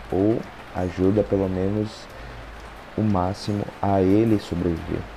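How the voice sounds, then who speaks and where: A soft-spoken man with a fairly low pitch and fairly even intonation, amid audible room echo and noticeable background noise. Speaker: gaming youtuber. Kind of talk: gameplay commentary voiceover. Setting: home recording at night. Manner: quiet, low volume.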